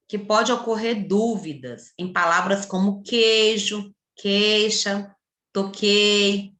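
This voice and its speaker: A middle-aged Brazilian woman teaching a recorded primary school video lesson, patient and coaxing, often checking in with her pupils. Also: mid-range voice. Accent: Brazilian Portuguese. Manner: patient, repetitive, coaxing with tag questions. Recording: echoey room.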